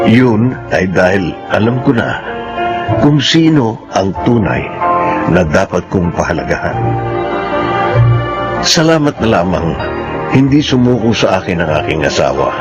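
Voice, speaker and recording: An actor playing a sick young husband who pleads for help and vows to change, in a dull, lo-fi recording over loud music. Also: male voice, deep voice. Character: repentant sick husband, young adult man. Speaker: narrator of his own story.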